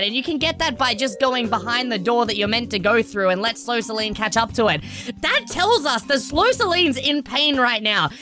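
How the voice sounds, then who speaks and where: A woman hosting a gaming video, giving excited lore commentary in an exclamatory, dramatic and emphatic way. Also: high-pitched. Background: background music.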